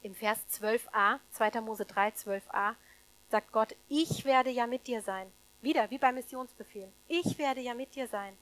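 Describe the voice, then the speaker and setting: A woman preaching a sermon to a congregation, emphatic, swinging between loud stresses and hushed asides, with rhetorical questions to the listeners. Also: fairly high pitch, unhurried, rough recording.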